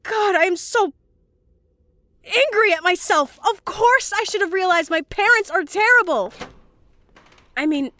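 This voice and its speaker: A high-pitched young female student in an audio drama, recorded close and dry. She is earnest and anxious, a well-meaning type who stammers and halts as she talks. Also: lively intonation, unhurried, pauses often, pushed and bright, dry recording, heavily acted. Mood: panicked, self-blaming. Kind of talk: audio drama acting, emotional monologue and dialogue.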